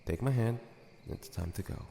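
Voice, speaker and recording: A man voices a horned demon big brother in an audio drama, protective and coaxing. His voice is low, dark and creaky, reassuring in manner. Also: normal speed. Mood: fond, teasing. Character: gentle, protective demon older brother with horns and claws. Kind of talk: dramatic audio roleplay acting. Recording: echoey, long reverb, faint noise.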